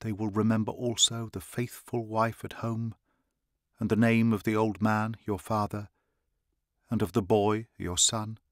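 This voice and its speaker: A weary warrior chief, as the male reader plays him, talks in a low, subdued and grave manner. The delivery is slow and deliberate. The recording is dry and close. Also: little pitch movement, dry recording, natural voice. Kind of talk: audiobook reading.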